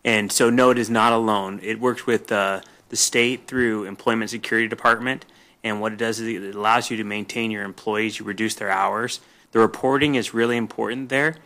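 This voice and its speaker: Flat, bright-toned former HR man. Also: on the low side, fairly quick. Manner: confident, informative. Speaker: audience member, former HR director. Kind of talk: speaking up from the audience.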